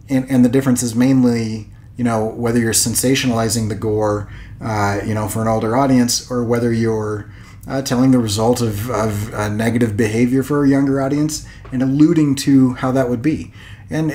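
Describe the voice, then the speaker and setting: A man in his late thirties talking casually as a vlog host, thinking aloud in a rambling way with hesitant pauses and repeated words. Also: mid-range voice, darkish tone. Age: late 30s. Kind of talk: casual unscripted vlog musing.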